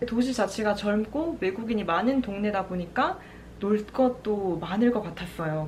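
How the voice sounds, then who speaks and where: Noticeable background noise sits behind a woman whose fairly high voice carries lively intonation at a moderate pace. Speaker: YouTuber. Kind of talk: casual vlog Q&A.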